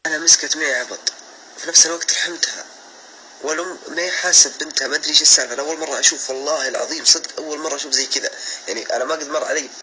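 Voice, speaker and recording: A man rattles off a personal story at breakneck speed, in a bright, sharp, somewhat high voice. He talks casually and emphatically, and keeps swearing oaths to back up his words. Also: rapid-fire, a little hiss or hum, poor audio. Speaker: social media storyteller.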